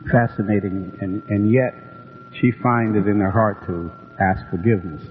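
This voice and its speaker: A man hosting a radio interview, stammering through restarts and backing the guest with soft affirmations. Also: on the low side, normal speed. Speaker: radio host. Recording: tinny phone-like radio with long reverb and faint music.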